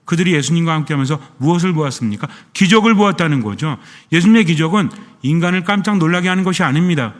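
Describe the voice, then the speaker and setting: A Catholic priest preaching a sermon in a fairly high voice, asking question after question and answering each one himself. His voice carries a long reverb, as if he is in a church. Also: expressive, quick pace, hardly any pauses. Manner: asks the congregation questions and answers them himself.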